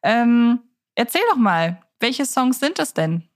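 A woman's voice: on the high side, animated, slow pace. A woman hosting a conversational podcast, explaining things analytically and at length. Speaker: podcast host.

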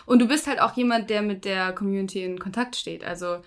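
A woman's voice: medium pitch, fairly quick. A woman in her twenties from Munich, a fitness influencer and podcast guest, speaking casually with lots of hesitation. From Munich, Germany. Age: 20s. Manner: hesitant, many fillers and restarts.

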